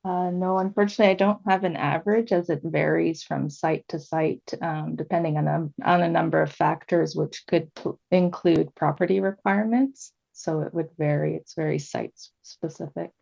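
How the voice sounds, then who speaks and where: A woman on city staff answering questions at a committee meeting in a formal, measured way, addressing the chair. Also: deep voice, fairly even intonation, vocal fry, darkish tone, highs cut off. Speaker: city traffic staff member.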